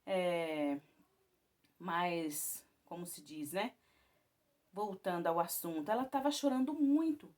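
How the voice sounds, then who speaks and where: A woman telling a personal Christian testimony to viewers in a rambling way, with many restarts and tag questions, her voice climbing high and loud when she recounts moments of alarm. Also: slow, long pauses.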